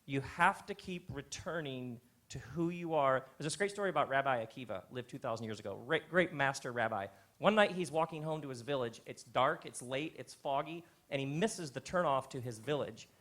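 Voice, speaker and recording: A man hosting a live stage talk, a reflective storyteller who drops soft on his key lines. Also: mid-range voice, animated, a little fast, few pauses. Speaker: host. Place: live theater stage before an audience.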